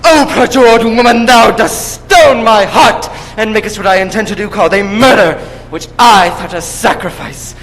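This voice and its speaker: An actor playing a jealous, melodramatic lover who slips into Shakespearean declaiming, performed on a school auditorium stage. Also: male voice, high-pitched, moderate pace, hardly any pauses, a bit bright. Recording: echoey auditorium, faint noise.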